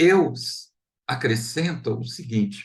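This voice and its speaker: A man's voice swings very widely in pitch. Vocal fry runs through it. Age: 80s+. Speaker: spiritist lecturer. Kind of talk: religious talk.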